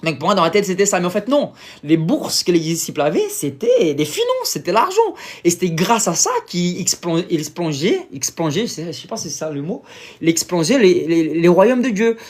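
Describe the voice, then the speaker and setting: This Brazilian man, a Portuguese native speaker, preaches an informal sermon in faltering French, full of pauses and fillers as he searches for vocabulary. His voice sits high with a sing-song lilt.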